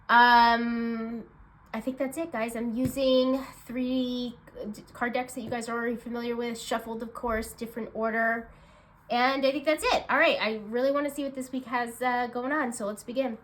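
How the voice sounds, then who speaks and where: A woman whose voice sounds stuffed up and nasal, as if she has a cold. She talks casually and chattily through a card reading, with lots of fillers and sudden bursts of excitement. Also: a little high. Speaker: intuitive card reader. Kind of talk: casual tarot reading chat.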